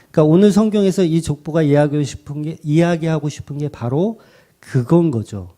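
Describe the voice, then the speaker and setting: A man's voice: a little high, mellow. A man preaching as pastor in a conversational style, often starting sentences over. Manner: conversational preaching with many restarts and repeated "그러니까". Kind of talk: sermon.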